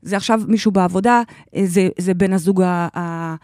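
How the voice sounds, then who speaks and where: A woman's voice: on the low side, fairly even intonation, warm tone, dry recording, studio quality. A woman hosting a podcast chat, guiding a guest with emphatic step-by-step explanations. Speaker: host and life coach. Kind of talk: guidance in a casual podcast chat.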